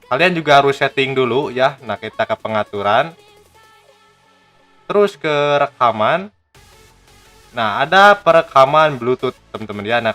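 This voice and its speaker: A man's voice: mid-range voice, sharp tone. Casual man reviewing gadgets. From Indonesia. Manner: chatty, addresses viewers as friends. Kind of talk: casual product review, hands-on demonstration.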